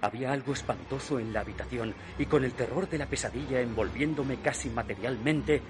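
An actor playing a man in his thirties who recounts a recurring nightmare, narrating a radio drama in a measured, hushed way that sinks almost to a whisper at the darkest moments. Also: medium pitch, background noise, close to an everyday voice. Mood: uneasy. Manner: measured, hushed storytelling that drops to a near whisper at dark moments. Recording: narration over music. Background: music.

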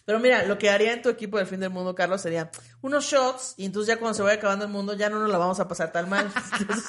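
A Mexican woman co-hosts a relaxed conversation, laughing easily along the way. She tells family stories in a loose, easygoing way, with her voice at a middle pitch. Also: quick pace. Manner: laughs often, relaxed storyteller. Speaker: podcast co-host. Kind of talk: casual chat.

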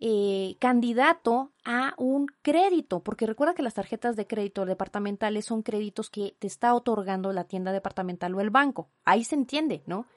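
A young Mexican woman with a Mexican accent telling an indignant, animated story with asides in a storytime vlog. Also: mid-range voice, fairly quick, hardly any pauses, no room sound, clean studio sound. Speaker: vlogger.

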